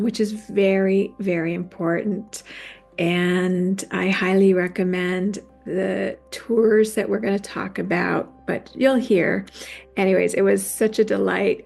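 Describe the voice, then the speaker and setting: A woman hosts a podcast and gushes warmly about her guest. Her voice has a gravelly, creaky edge. Faint music plays underneath. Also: mid-range voice. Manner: enthusiastic, gushing. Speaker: podcast host. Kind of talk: podcast interview.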